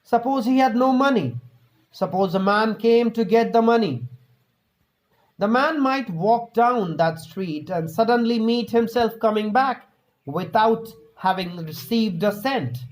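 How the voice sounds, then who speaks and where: A man reading a short story aloud as a storyteller, with a deliberate, dramatized delivery. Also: high-pitched, rough recording. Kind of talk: scripted story narration.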